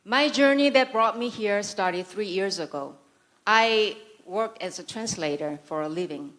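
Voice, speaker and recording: A woman's voice: medium pitch, unhurried, a bit bright. A woman from South Korea, a native Korean speaker, delivering a prepared conference speech in Korean-accented English, full of dry, sarcastic humor and mock-serious asides.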